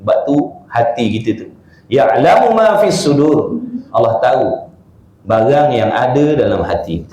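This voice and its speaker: A man from Malaysia with a Malaysian Malay accent giving a religious lecture, reading from a book and explaining it with lively swings of pitch and rhetorical questions. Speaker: religious teacher. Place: religious study house. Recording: echoey room.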